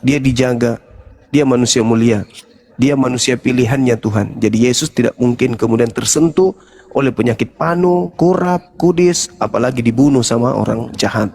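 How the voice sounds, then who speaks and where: A male preacher giving a sermon in an animated, mocking way. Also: mid-range voice, moderate pace. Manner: animated and mocking, acts out crowd chants.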